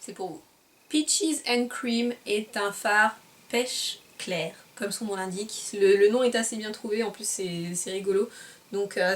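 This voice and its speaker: A woman giving a casual makeup review at home, chatty and often pausing to search for words and correct herself. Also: medium pitch, distant mic. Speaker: beauty vlogger.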